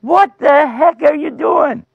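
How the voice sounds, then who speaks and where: A man's voice: extremely high pitch, slow pace, gravelly, dry recording, highs cut off, pitched above the performer's own voice, heavily acted. A man voicing a huge, boastful giant warrior from a told story, mocking, incredulous and cackling. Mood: scornful disbelief. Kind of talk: animated oral storytelling.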